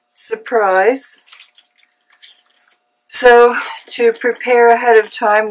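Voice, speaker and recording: A woman with a cold hosting a casual craft tutorial, chatty and unhurried, with frequent ums. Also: medium pitch, low-quality recording. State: has a cold. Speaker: craft channel host. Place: home craft room.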